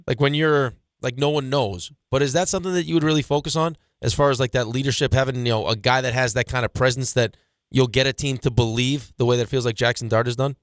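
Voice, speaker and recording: A man's voice: mid-range voice, steady tone, fast talker, no room sound. A man co-hosting a sports radio show, asking loose, rambling questions in a radio studio. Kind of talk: casual sports radio chat.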